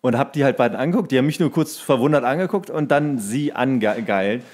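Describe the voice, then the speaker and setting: A man's voice: mid-range voice, lively intonation, fast, darkish tone. A man co-hosting a podcast in casual, colloquial chat, telling anecdotes and re-enacting the dialogue as he goes. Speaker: podcast co-host and actor.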